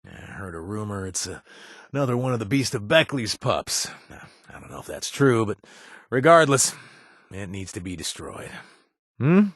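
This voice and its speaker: A wisecracking wasteland quest-giver in a video game. The voice is husky and slightly breathy, with a pitch that jumps around a lot as he rambles through job briefings. It is close and dry, with no room sound. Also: big pitch swings, normal speed, a bit bright, dry recording, exaggerated voice. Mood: offhand briefing. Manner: chatty, rambling, punny asides. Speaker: companion character in a video game. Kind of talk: studio game voice acting.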